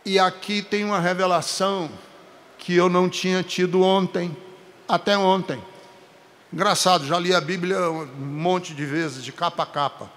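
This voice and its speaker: Emphatic Brazilian preacher in a reverberant hall. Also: male voice, high voice, fairly even intonation, normal speed. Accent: Brazilian Portuguese. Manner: emphatic, building to forceful peaks, with chatty asides to the congregation. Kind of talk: sermon.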